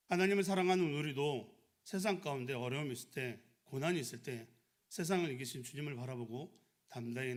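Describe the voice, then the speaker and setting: A man giving an early-morning church sermon, earnest and questioning the congregation. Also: medium pitch. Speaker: preacher.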